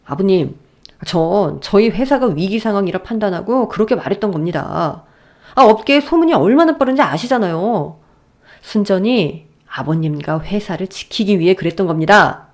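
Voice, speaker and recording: A woman's voice: medium pitch, animated, moderate pace, close to an everyday voice. A woman voicing a grovelling, scheming young husband in a raised, whiny voice while reading a story aloud. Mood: brazen. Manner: whiny and pleading, then defiant. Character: scheming son-in-law, grovelling then brazen.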